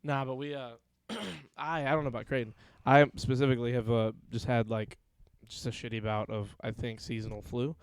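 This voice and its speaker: A man's voice: mid-range voice, level tone, fairly quick, hardly any pauses, clear, resonant tone, no echo. A man in his twenties co-hosting a podcast, a bit congested from a cold and joking around. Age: 20s. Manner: laughing, teasing. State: congested, coughing. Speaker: podcast co-host. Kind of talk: casual banter.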